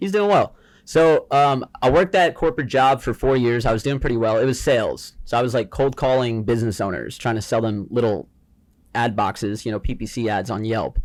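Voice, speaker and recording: This is a man with a plain, everyday voice and an American accent, pitched at a medium level. He speaks at a fairly quick pace with ordinary pitch variation. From New Jersey. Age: 20s. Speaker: real estate investor. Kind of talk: casual chat. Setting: studio.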